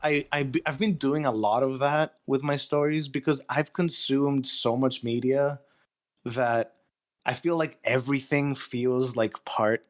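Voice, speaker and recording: A man from Greece speaks as a guest writer in a relaxed interview. His middle-pitched voice comes with a hesitant, self-deprecating manner. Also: unhurried. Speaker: guest writer of audio horror stories. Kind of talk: casual interview chat.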